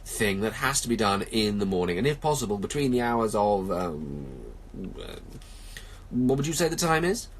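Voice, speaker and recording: A man's voice: fairly low pitch, sing-song, normal speed, a little hiss or hum. A man voicing a small, timid, anxious storybook piglet with a hesitant, flustered manner. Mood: flustered excuses.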